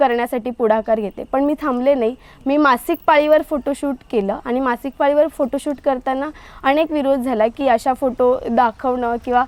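A woman's high-pitched voice with fairly even intonation, dry and close with no echo. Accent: Maharashtra. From Mumbai, India (Kurla). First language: Kaikadi (speaking Marathi). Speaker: photographer. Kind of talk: interview monologue.

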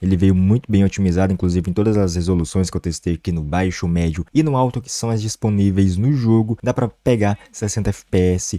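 Dry, close sound with no echo on a man with a Brazilian accent, fairly low pitch, ordinary pitch variation, a dark, mellow tone, a fairly quick pace and hardly any pauses. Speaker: gaming youtuber. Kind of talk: tech review. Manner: casual.

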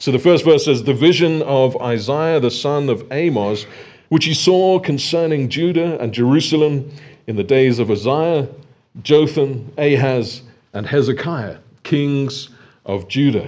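There is ordinary pitch variation in this man's voice. He talks at a fairly slow pace. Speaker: preacher. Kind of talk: sermon. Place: church.

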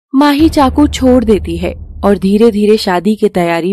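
A woman talks with lively intonation in a dark, mellow tone. The sound is dry and close, with no echo. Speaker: animated story narrator. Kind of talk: dramatic story narration. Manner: dramatic, emotionally charged, building to a tearful wail.

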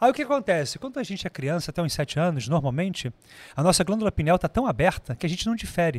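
The speech comes at a very fast pace, with very wide pitch swings. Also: man. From Rio de Janeiro, Brazil. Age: 40s. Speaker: self-development coach. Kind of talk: interview conversation. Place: studio. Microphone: studio mic.

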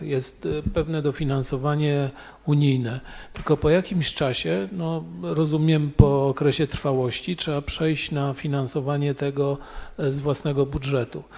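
With an unremarkable speaking voice, a man talks at a fairly slow pace, his pitch fairly high and its variation ordinary. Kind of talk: remarks at public meeting. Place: meeting room. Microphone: podium.

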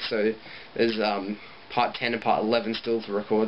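Noticeable background noise accompanies a man with an Australian accent speaking at a moderate pace and a medium pitch. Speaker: gaming YouTuber. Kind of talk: casual vlog. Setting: home bedroom. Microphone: poor audio quality.

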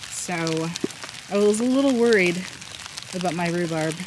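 Against loud background noise, a woman's voice comes through dry with no echo. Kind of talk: casual vlog chat. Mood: cheerful, chatty. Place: garden. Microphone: phone near.

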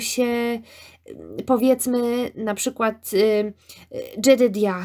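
A woman's high-pitched voice, dark and mellow in tone, at a very slow pace. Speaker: audiobook narrator. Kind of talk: literary audiobook reading, voicing the characters in dialogue. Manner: expressive storyteller with a wistful, romantic tone.

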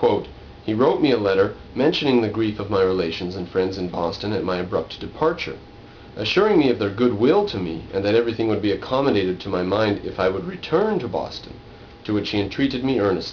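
Over light background noise, a man talks at a very fast pace with a fairly low pitch and lively intonation. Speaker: amateur history lecturer. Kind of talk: history documentary narration: reading Franklin's autobiography aloud with asides. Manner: casual, conversational, explaining and paraphrasing as he reads; halting, with fillers and self-corrections, stumbling over the text. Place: home room.

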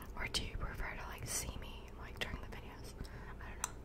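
A woman whispers at a moderate speed, with noticeable noise in the background. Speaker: ASMR content creator. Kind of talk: casual talk to camera, mukbang. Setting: close microphone, eating. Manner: whispered, soft-spoken.

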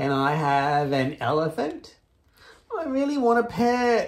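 A man with a strong Australian accent talks with lively intonation. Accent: broad Australian. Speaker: children's book reader. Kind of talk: reading aloud. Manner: animated.

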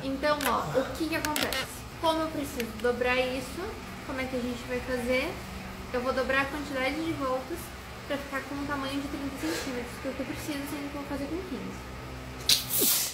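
Loud background noise runs under a woman talking at a moderate pace. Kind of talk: tutorial. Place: home room.

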